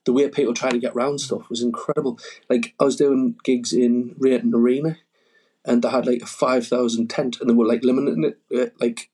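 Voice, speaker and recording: A comedian chats loosely on a podcast and keeps chuckling through his own anecdotes. His voice is husky and a bit rough. He sits at an ordinary middle pitch. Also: level tone, a little fast, warm tone. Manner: rambling, fillers, laughs at own stories. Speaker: stand-up comedian guest. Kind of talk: casual storytelling chat.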